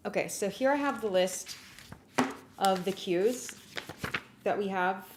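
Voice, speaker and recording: A woman hosting a casual livestream, explaining work progress in an informal, halting way as she thinks aloud. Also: medium pitch. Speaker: livestream host and music arranger. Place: warm indoor room. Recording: roomy echo, clear background noise.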